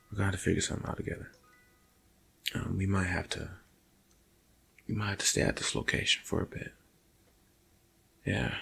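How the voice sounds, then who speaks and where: A man playing a nervous night security guard in an ASMR roleplay, talking casually and haltingly to his partner and slipping into whispers. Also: low voice, creaky, a bit bright, slight background noise, full character voice. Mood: drained, subdued.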